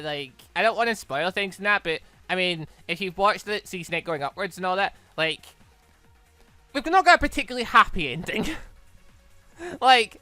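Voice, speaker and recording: A young man hosting a gaming channel, giving casual, rambling and excitable Let's Play commentary. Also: high voice, dry recording.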